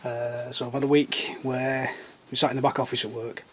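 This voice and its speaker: A croaky man talks through a scale-model build in a loose, self-mocking way. His voice sits in an ordinary middle range. The recording is noisy, with plastic crinkling behind him. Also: medium pitch, level tone, moderate pace. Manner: rambling, self-mocking, chatty. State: croaky from a sore throat. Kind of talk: casual how-to chat.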